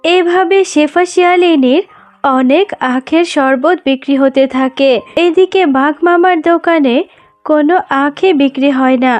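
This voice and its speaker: High-voiced woman narrating a story. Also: unhurried. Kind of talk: scripted cartoon story narration. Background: music.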